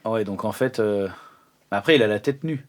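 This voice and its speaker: A man's voice: lowish voice, a little fast. A man chatting casually as a player in a tabletop roleplaying game.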